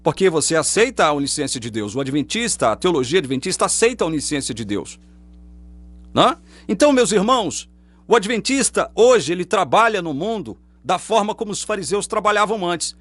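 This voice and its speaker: Brazilian guy preaching at the camera, higher voice swinging all over, combative and emphatic. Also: sing-song, fairly quick, fairly bright tone. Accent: Brazilian Portuguese. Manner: emphatic, combative, rhetorical questions. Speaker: online preacher. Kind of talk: polemical religious monologue. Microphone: webcam or phone facing speaker.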